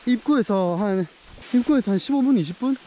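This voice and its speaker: A young man talks to a camera held at arm's length, casual and upbeat, his voice sitting a little high for a man. He records outdoors by a river, and a faint hum of outdoor ambience sits behind him. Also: brisk, highs cut off. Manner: chatty, upbeat, gets excited outdoors. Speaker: travel vlogger. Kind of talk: casual travel vlog. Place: outdoors by a river and a jungle waterfall.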